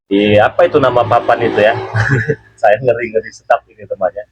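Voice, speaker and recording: A man's voice: fairly low pitch, fairly even intonation, brisk, dull audio, a little hiss or hum. A man hosting a live stream, telling a rambling story with frequent chuckles and questioning a child. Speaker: channel host.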